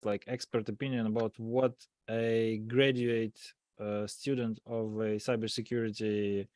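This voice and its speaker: A man's voice: fairly low pitch, little pitch movement, measured pace, a little mellow, dry recording. A man, an English speaker, telling things casually as an expert panelist. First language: not English. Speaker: podcast panelist, cybersecurity expert. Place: remote online call.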